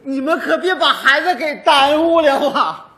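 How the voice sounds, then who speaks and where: A man's voice: very high-pitched, normal speed, bright, forceful tone. A man playing a stubborn, touchy old widowed father in a stage comedy sketch, grumbling and sarcastic. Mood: indignant. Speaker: sketch actor. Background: audience laughter.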